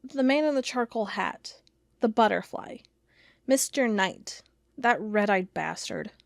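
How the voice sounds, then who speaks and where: An actress playing an intense, stubborn investigator of strange creatures in an audio drama, with a dramatic, expressive delivery. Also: female voice, mid-range voice, a little slow, creaky, no room sound, clean studio sound. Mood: sardonic, insistent. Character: driven female cryptid investigator, sardonic, intense, stubborn. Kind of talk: audio drama narration and dialogue.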